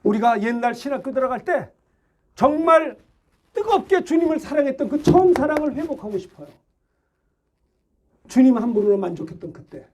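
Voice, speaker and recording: A middle-aged male pastor preaching a fervent Sunday sermon, shouting and exhorting with rhetorical questions. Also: extremely high pitch, animated, fairly quick, pauses often.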